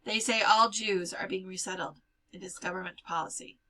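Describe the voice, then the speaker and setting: A young bridegroom in a storybook, read by a woman, gentle but steadfast. The delivery is grave and earnest, in a bright, average-pitched voice. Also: fairly even intonation, moderate pace, lightly acted, poor audio. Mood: grave, resigned.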